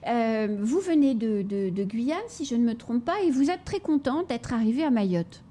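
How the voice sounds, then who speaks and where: A woman interviewing a guest on TV, asking measured questions while she searches for her words. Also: fairly high pitch, animated, warm tone.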